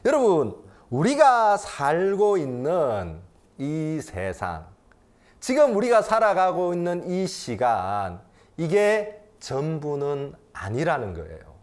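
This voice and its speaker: Animated Korean pastor preaching. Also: male voice, on the high side. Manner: swings between loud emphatic and quiet intimate delivery; repeats key phrases for emphasis. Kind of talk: sermon.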